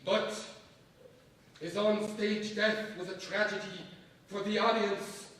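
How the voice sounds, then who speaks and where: A theatrical, grandiose coup leader declaims in a high voice at a slow pace. He dictates with weighty, dramatic pauses, as in a staged reading. The sound is very echoey and distant. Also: level tone, fairly bright tone. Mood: solemn, grand. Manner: deliberate, dramatic, emphatic pauses. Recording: echoey stage from far off, faint noise.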